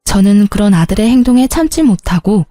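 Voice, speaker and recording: Mellow-voiced woman narrating a family story. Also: mid-range voice, lively intonation, brisk, no room sound. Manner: warm, soft-spoken motherly delivery. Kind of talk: first-person story narration. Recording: dry close voice with faint background music.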